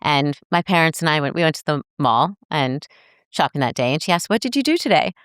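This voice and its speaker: American woman podcast guest; low voice, animated storyteller, dry studio sound. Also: fairly quick, dry recording. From United States. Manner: animated, acts out voices in her anecdotes. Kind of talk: casual storytelling chat.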